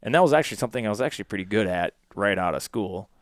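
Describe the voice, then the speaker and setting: A man's voice: fairly low pitch, expressive, very fast, no echo, clean studio sound. A man in his forties chatting casually on a podcast, rambling and full of fillers. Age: 40s. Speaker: podcast guest.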